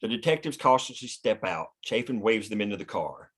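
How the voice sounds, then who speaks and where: A man's voice: lowish voice, animated, fairly quick, fairly bright tone. A man reading scripted stage directions as the narrator of a screenplay table read.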